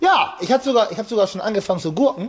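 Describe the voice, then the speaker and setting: This man speaks at a very fast pace, pitched high for a man. His intonation is lively, with light background noise. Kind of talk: casual vlog chat. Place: workshop. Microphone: phone near.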